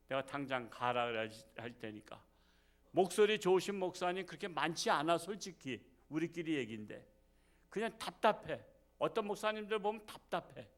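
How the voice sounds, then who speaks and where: A middle-aged male pastor giving a sermon, swinging from loud, slow scripture reading to soft, chatty, teasing asides with the congregation. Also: on the high side. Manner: plain-spoken, teasing, talks down-to-earth with the congregation.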